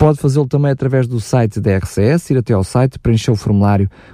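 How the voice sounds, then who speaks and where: Dry and close with no echo, this man's voice has a dark, mellow tone and a European Portuguese accent. His medium pitch moves with lively intonation. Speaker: radio host. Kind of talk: radio talk show.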